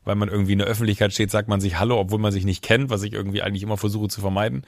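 A man from the Düsseldorf area, a podcast co-host, telling a lively story in casual chat and acting out the dialogue. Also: fairly low pitch, racing, gravelly, no room sound, studio quality. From Düsseldorf area, Germany. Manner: lively storyteller who acts out quoted dialogue; many fillers and restarts.

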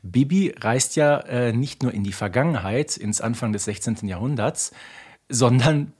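Husky-voiced man in casual podcast chat. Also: mid-range voice, lively intonation, normal speed, a little mellow. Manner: detail-minded, explanatory. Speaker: podcast co-host. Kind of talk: casual fan podcast discussion.

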